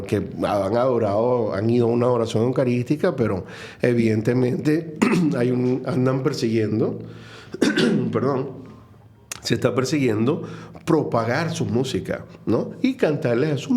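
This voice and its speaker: A man's voice: mid-range voice, animated, a little slow, darkish tone. A middle-aged man with a Venezuelan accent, a guest speaking earnestly and reflectively in a conversational interview, with many fillers and restarts. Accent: Venezuelan Spanish.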